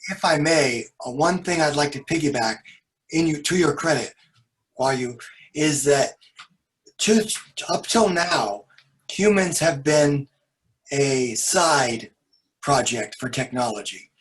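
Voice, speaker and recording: A man's voice: on the high side, slow, rough recording. Enthusiastic man moderating a panel. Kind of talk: online panel discussion.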